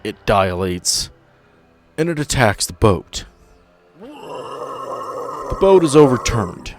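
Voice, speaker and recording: A man's voice: mid-range voice, big pitch swings, slow pace, faint music behind. A man running a tabletop role-playing game, moving between dramatic scene-setting and casual asides as game master.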